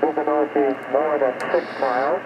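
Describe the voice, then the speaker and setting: A man's voice: a little high, steady tone, a little fast, highs cut off, a loud crowd. A man reading a formulaic aviation weather bulletin in a clipped, impersonal way over shortwave radio. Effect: shortwave sideband radio. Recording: noisy shortwave radio from a speaker.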